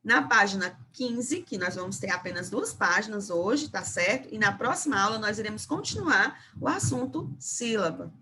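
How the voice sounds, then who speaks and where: A woman teacher giving a remote lesson to young children, speaking slowly and encouragingly. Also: mid-range voice, animated, sharp tone, slight background noise. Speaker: primary school teacher.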